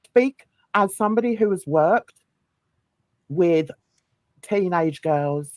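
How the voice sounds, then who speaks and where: A woman's voice: lowish voice, lively intonation, slow pace, a little mellow, no room sound. Defensive woman insisting on explaining. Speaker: live stream guest. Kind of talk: heated live stream debate.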